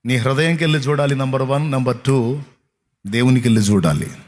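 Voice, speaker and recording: A man's voice: mid-range voice, moderate pace. A man preaching a sermon to a congregation, emphatic and repetitive, firing rhetorical questions. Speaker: pastor.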